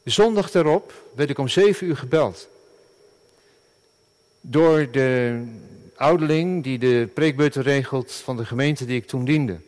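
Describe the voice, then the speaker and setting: A middle-aged man, a pastor, preaching a sermon in an earnest, halting way with many fillers and restarts. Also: medium pitch, darkish tone.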